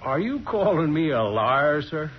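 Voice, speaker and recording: A haughty colonel, villain of an old radio crime drama. His husky voice moves in lively, formal phrases. The recording is dull. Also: fairly high pitch, a little slow. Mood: scornful, indignant. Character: indignant, scornful rancher colonel, a villainous man.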